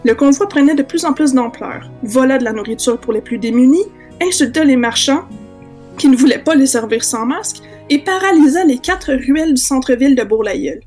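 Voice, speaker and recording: Québécois woman, high voice, comic storyteller, faint guitar under. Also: a little fast. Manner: lively comic storytelling with long lists. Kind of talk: comic parody story reading.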